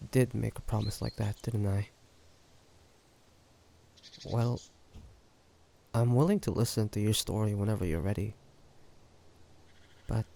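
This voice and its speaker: A man acts out a brooding yet gentle ancient male vampire in an intimate audio drama. The voice is low and full of gravelly creak. He talks very slowly and pensively, halting as if weighed down by guilt. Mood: hesitant. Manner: halting, soft-spoken, pensive with sighs. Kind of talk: slow, intimate audio roleplay acting.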